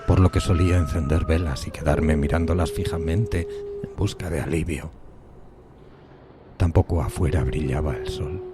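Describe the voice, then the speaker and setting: An actor playing a tormented, solitary outcast in a gothic horror audiodrama, speaking in a brooding, solemn, halting dramatic way. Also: male voice, very deep voice, noisy background. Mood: haunted dread. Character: tormented solitary outcast man recalling a decayed gothic castle. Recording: music bed behind the voice.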